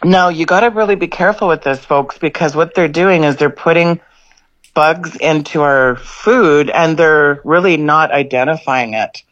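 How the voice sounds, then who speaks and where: A woman's voice: low voice, moderate pace, muffled recording. A woman co-hosting a radio talk show, speaking emphatically and warning listeners. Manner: emphatic, conspiratorial.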